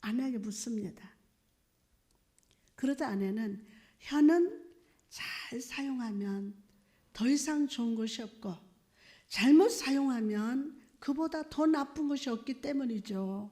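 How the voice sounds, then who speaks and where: Lively in intonation, the voice moves at a very slow pace with long, frequent pauses. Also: woman, high pitch for a woman. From South Chungcheong, Korea. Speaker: pastor. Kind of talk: sermon.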